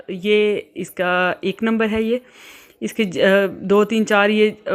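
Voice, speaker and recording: A young woman from Pakistan with a Pakistani Urdu accent, chatting casually in a home vlog with many filler pauses. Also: mid-range voice. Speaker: vlogger.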